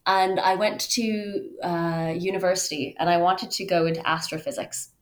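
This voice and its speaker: Canadian woman in her 30s, slightly low voice, chatting as a podcast guest, animated storyteller. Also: moderate pace. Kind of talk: conversational interview, personal storytelling.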